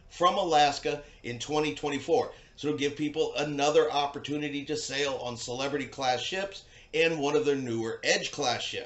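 The speaker is a man using ordinary pitch variation. Audible room echo surrounds his voice. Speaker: cruise news host. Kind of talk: casual news commentary. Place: home room.

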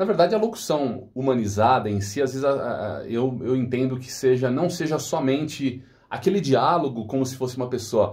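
Over a quiet background, a man speaks at a moderate pace with a medium pitch and lively intonation. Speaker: professional voice-over artist, voice actor and voice coach. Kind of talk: casual talk to camera explaining his work process. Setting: home recording studio. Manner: friendly, conversational. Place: booth.

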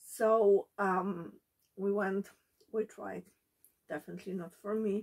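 Somewhat breathy, medium-pitched speech from a woman. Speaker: sewing vlogger. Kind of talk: casual vlog chat.

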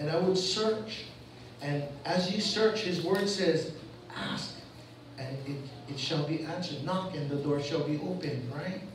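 Strong room echo and light background noise surround a man speaking at a high pitch. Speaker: pastor. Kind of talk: sermon. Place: church. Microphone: camera far.

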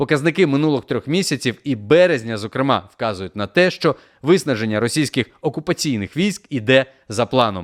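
An unremarkable speaking voice moves at a moderate pace with lively intonation, captured in a very clean recording against a silent background. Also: man, medium pitch for a man. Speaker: YouTube news commentator. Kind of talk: news commentary to camera.

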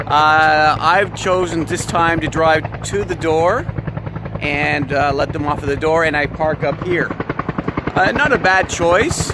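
There is noticeable background noise as a man speaks in a dry recording with no echo. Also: fairly slow pace. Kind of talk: casual vlog chat. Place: street. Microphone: phone near.

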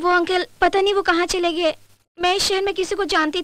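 A woman's extremely high-pitched voice in a monotone, flat intonation. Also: dry sound with no echo. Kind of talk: film dialogue.

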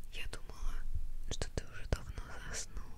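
Here a woman is speaking. She talks at a very slow pace. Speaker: ASMR performer in caretaker role play. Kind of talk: ASMR personal attention role play. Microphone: studio mic.

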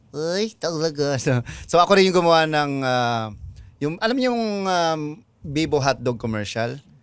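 The sound is dry, with no echo. A man speaks at a fairly slow pace. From Philippines. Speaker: voice acting and dubbing director; voice actor guest. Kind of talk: casual chat. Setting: studio. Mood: relaxed, animated storytelling. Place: studio. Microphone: studio mic.

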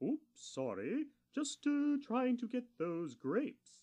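A man does a cartoonish character voice. His pitch is extremely high and his pace very slow. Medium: puppet. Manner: theatrical, excitable.

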